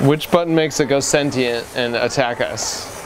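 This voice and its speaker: A man's voice: medium pitch, moderate pace, music in the background, rough recording. A middle-aged man, visiting a workshop and bantering playfully. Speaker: guest. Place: attic robotics workshop.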